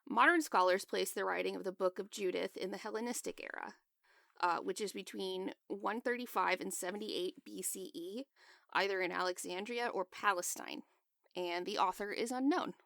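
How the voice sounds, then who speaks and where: A woman's voice: medium pitch, moderate pace, vocal fry, a bit bright, no echo, studio quality. A woman co-hosting a podcast, explaining a topic in a chatty, casual way. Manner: explanatory, chatty, laughs often. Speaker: podcast co-host. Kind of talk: casual chat.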